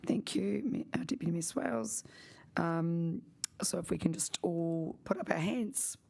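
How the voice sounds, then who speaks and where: Raspy, gravelly New woman chairing. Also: fairly low pitch, unhurried, darkish tone. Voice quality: raspy, slightly husky voice. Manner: hesitant, stop-start, with apologies and fillers. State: recovering from a sore throat. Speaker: committee chair. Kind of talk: chairing a council meeting.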